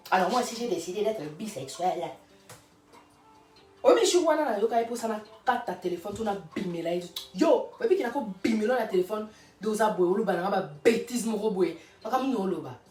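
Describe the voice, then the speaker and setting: A woman's voice: mid-range voice, a little mellow. Fiery woman. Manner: emphatic, fiery, repeats rhetorical questions. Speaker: vlogger. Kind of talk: casual monologue rant. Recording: roomy sound from a distant mic.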